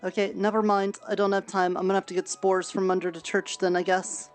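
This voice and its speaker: A woman's voice: medium pitch, level tone, quick pace, faint music behind. A woman on a headset mic chatting casually during a roleplay game, mildly scolding and matter-of-fact. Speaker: roleplayer and streamer. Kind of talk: casual in-character roleplay chat.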